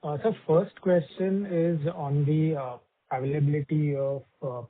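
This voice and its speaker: A man's voice: fairly high pitch, steady tone, measured pace. A man asking a question as an analyst on an earnings call. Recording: narrow, muffled phone line.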